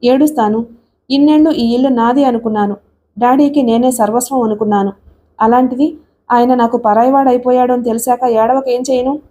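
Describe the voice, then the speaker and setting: Brief: bitter jealous young wife, tearful and resentful, read by a woman narrator in a mellow, fairly high voice. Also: fairly even intonation, a little fast, slight background noise, close to an everyday voice. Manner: bitter, complaining.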